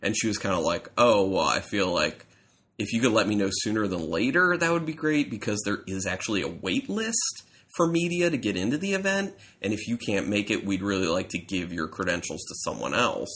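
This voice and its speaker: A man's voice: fairly low pitch, animated, brisk, a bit bright. A man co-hosting a podcast in casual chat, his voice congested and stuffy from a cold, rambling and correcting himself as he goes. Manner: rambling, self-correcting storyteller. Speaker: podcast co-host.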